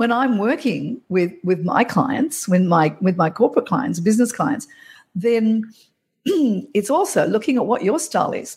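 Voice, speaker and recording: A woman's fairly high, somewhat breathy voice at a moderate pace, with lively intonation. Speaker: voice coach. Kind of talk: expert conversation, explaining and demonstrating voice techniques. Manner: animated, demonstrates voices.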